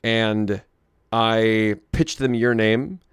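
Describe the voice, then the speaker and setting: Hoarse young man telling a rambling story. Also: fairly low pitch, fairly even intonation, extremely slow, dry recording, studio quality. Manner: rambling, with frequent restarts and asides. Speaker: vlogger. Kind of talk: casual storytelling to camera.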